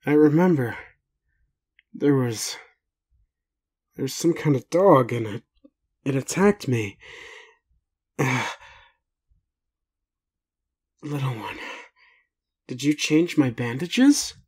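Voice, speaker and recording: A man's husky, mid-range voice with lively intonation brings to life a groggy, gentle, self-doubting werewolf. In this intimate audio roleplay he speaks to the listener tenderly and haltingly, acting as a doting caregiver.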